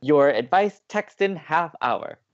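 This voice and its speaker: Lively, perky student radio co-host. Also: male voice, fairly high pitch, slow pace, muffled recording. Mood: playful, cheery. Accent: American. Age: young adult. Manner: upbeat, playful, teasing. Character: perky, eager, quirky young male college radio co-host. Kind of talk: audio drama dialogue as banter.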